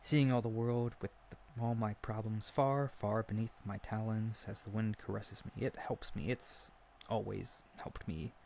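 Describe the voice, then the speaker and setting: A man playing an earnest, lovesick young harpy bird-boy in a roleplay audio drama, gentle and insecure, speaking tenderly with hesitant stammers. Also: lowish voice, fairly even intonation, a little slow, vocal fry, a little hiss or hum. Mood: wistful. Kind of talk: roleplay audio drama spoken intimately to the listener.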